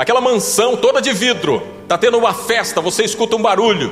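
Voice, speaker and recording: A man with a high voice rattles along at a very fast pace as noticeable background noise plays behind him. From Paraná, Brazil. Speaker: preacher. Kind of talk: sermon.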